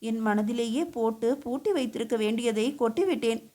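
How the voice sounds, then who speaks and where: A sly, scheming young maidservant, put on by a woman reading a storybook aloud. She talks in a taunting, needling way, in a fairly high voice. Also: normal speed, dark tone, close to an everyday voice. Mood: pleading.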